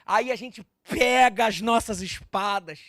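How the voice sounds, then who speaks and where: A man preaching a sermon. He builds to shouted appeals and acts out the scenes he tells. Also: high voice, unhurried, no echo, clean studio sound. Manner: acts out biblical scenes with voices; addresses listeners as "meu querido". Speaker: pastor.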